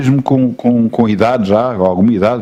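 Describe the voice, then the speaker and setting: A dark, mellow tone in a European Portuguese accent at a fairly quick pace. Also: man. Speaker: pastor. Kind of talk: sermon.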